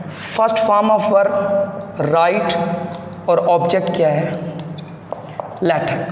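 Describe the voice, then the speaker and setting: A male English teacher with a Pakistani accent lectures his class, explaining patiently and stopping to ask the students questions. His voice sits high. The room is echoey, with a long reverb and a faint background hum.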